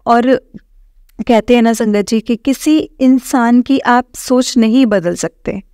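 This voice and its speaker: A woman's voice: on the high side, steady tone, slow, dark tone, no echo, studio quality. A young woman earnestly sharing a personal story with a congregation, talking conversationally with many fillers. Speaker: satsang devotee sharing her story. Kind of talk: personal testimony told to a congregation.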